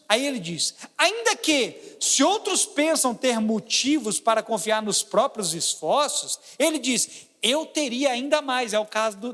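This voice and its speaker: A man with a Brazilian Portuguese accent preaching a sermon as pastor, swinging between loud exclamations and quiet asides. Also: very high voice, in a large hall.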